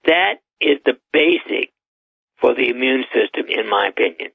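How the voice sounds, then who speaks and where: Gravelly old man on a phone line. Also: medium pitch, lively intonation, normal speed, no echo. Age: 80s. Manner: matter-of-fact, advisory, with chuckles. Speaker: doctor guest. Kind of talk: radio call-in interview.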